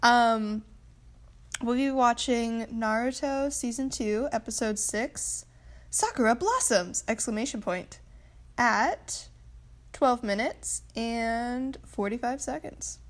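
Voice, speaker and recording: A woman's voice: a little high, takes it slowly. A woman co-hosting a casual podcast, rambling goofily and giggling often. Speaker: podcast co-host. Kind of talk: casual chat.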